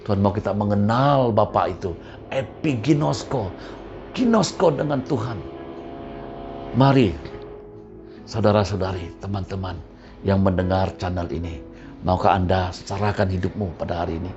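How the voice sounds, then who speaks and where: A man's voice: sits low, fairly even intonation, moderate pace. A male pastor, preaching a storytelling sermon and acting out the voices of the people in his story. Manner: vivid storyteller who acts out the voices of his characters. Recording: muffled recording with soft music behind.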